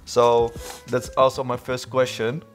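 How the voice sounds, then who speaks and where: A man's voice: mid-range voice, monotone, a little slow, soft background music. A man hosting a casual podcast interview, asking friendly questions with some restarts. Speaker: podcast host.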